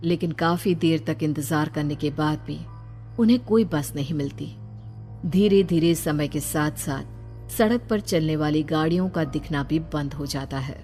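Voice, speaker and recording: A woman narrating a cartoon story in a brisk, blunt scripted manner. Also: deep voice, dark tone, soft background music.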